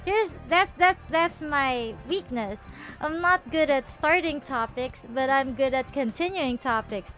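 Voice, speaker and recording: A woman's voice: high voice, lively intonation, a little slow, a bit bright. A woman streamer chatting casually with her viewers, bubbly and rambling, often restarting her sentences and laughing. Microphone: earphones with a desktop mic. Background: faint background music.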